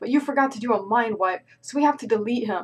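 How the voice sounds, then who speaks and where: A woman's put-on character voice, fairly high-pitched and very fast. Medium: read story. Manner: angry, shouting.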